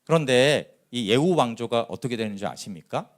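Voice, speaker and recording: A man preaching a sermon as pastor, telling stories with lively quoted voices and asking the congregation questions. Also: mid-range voice, moderate pace. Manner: animated storytelling, acting out quoted voices.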